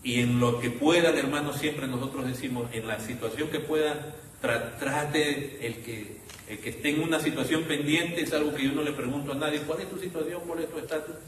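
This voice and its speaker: A man's voice: medium pitch, fairly even intonation, moderate pace. A man preaching a sermon in an earnest, pleading way, often calling his listeners brothers. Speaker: pastor. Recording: echoey room, voice from some distance, faint hiss.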